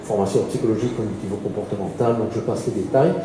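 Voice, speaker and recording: A man's voice: on the low side, fast talker, a crowd in the background. A man in his fifties with a Liège Belgian accent, giving a public lecture in a hesitant way, with many fillers and small chuckles between points. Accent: Liège Belgian French. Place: large lecture hall. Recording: echoey hall with long reverb.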